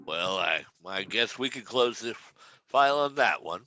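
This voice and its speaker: Film table read: actor as gruff older policeman, sharp-edged voice, dry humour, no room sound. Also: lowish voice, animated, normal speed, dry recording.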